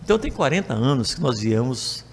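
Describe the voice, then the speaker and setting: An older Brazilian man gives a spiritist talk in a reverberant hall. His voice climbs and falls with lively pitch and has a gravelly edge as he acts out the dialogue of his stories. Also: a little fast, slight background noise. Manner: animated, acts out dialogue with voice changes. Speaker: spiritist lecturer. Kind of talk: storytelling talk to a spiritist group.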